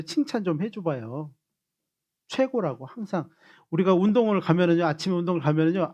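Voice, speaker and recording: A man preaching as pastor, coaxing his congregation into greetings before closing in prayer. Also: fairly high pitch. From Korea. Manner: animated, coaxing the congregation to repeat gestures.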